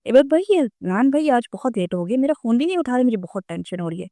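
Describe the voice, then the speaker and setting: A woman's voice: a little high, expressive, fast talker, dark tone, no room sound, studio quality, voice pushed up. A woman reading as a shy heartbroken girl. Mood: pleading. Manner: emotional storybook reading.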